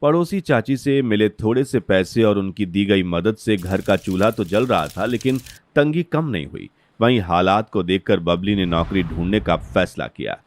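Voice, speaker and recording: Male narrator for a cartoon story, steady, slightly low voice. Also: normal speed, dry recording. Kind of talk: scripted narration.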